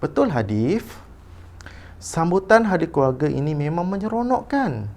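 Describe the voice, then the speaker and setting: A man's voice: fairly high pitch, big pitch swings, normal speed, darkish tone, voice pushed up. A man with a Malaysian Malay accent reading the part of a caring father who explains things to his family. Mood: earnest. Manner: earnest read-aloud.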